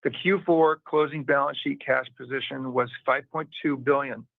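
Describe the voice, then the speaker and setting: A man formally reading out a scripted financial report as a company executive, in a measured way. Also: medium pitch, steady tone, gravelly, no echo. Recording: narrow, tinny phone-line sound.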